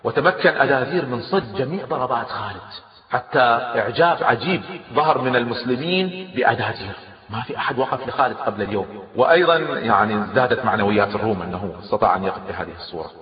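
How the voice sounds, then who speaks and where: Brief: quick, emphatic male storyteller, roomy hall, muffled lo-fi sound. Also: mid-range voice, crowd noise. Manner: lively, emphatic, stops to comment aside. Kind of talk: animated historical storytelling. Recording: echoey hall, dull lo-fi.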